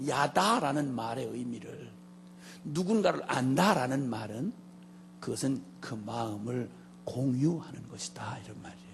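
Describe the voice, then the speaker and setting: A middle-aged man preaching a sermon as a missionary, telling a story with humor and speaking straight to the congregation, moving between loud and hushed delivery. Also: mid-range voice, normal speed, creaky, a little hiss or hum. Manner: joking, addresses the congregation directly.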